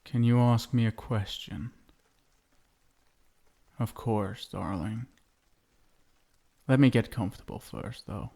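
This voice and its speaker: A man playing a possessive, sinister yet doting vampire husband in an intimate ASMR roleplay, coaxing with endearments and lingering pauses. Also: fairly low pitch, vocal fry, mellow, full character voice. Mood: soothing, possessive.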